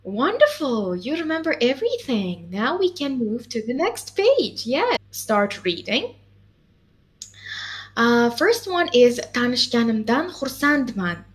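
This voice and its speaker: Woman, language tutor, encouraging, fairly high voice, slow. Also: sing-song. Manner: patient, encouraging, lots of mm-hmms and checks. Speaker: language teacher. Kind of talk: one-on-one language lesson.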